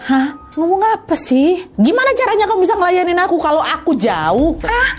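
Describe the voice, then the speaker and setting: Baffled young husband, as a woman storyteller plays him, quick, high, startled questions. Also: very animated, soft background music. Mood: confused. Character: young husband, confused and alarmed.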